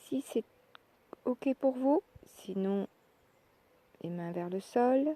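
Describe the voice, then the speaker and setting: A woman leading a guided yoga relaxation, speaking calmly and in measured short phrases with pauses. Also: fairly high pitch. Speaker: yoga nidra relaxation instructor. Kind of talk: guided meditation, soft instructional narration.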